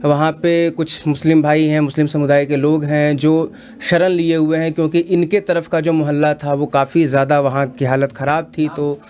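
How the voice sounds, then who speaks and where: A male reporter introducing a field report and asking calm, probing questions. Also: on the high side, normal speed.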